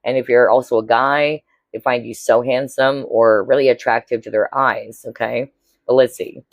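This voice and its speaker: A woman with a hoarse, cracking voice giving a casual tarot reading to viewers, chatty and often checking in with her listeners. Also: a bass voice, fairly even intonation, moderate pace, no echo. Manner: chatty, keeps checking in with "all right?" and "okay?". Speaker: tarot reader.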